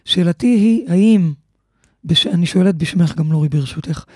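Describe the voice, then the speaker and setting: A woman's voice: on the low side, warm tone, no echo, studio quality. A woman in a casual podcast chat, asking questions and sharing her thoughts hesitantly. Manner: inquisitive, hesitant, with fillers.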